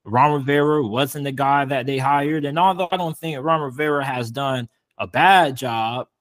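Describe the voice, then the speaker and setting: A man's voice: mid-range voice, moderate pace, fairly bright tone, no room sound. A man hosting a sports podcast, chatting in a laid-back, slangy way. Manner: laid-back, slangy, says "you feel me". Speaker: podcast host. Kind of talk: casual podcast chat.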